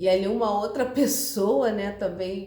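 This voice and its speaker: Room echo is audible, along with noticeable background noise. The woman talks very slowly. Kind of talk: religious talk and testimony.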